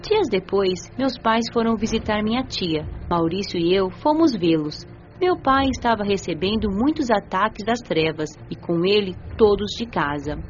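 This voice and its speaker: Young female spirit narrator , actress: mid-pitched, gentle, earnest, measured, dull recording with soft music. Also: lightly acted. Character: gentle, earnest nineteen-year-old female spirit narrating her afterlife. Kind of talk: dramatised audiobook narration.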